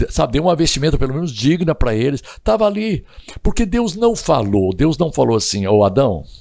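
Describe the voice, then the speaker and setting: Swinging very widely in pitch, a man speaks at a moderate pace in a dark, mellow tone. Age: 60s. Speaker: pastor. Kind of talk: casual chat.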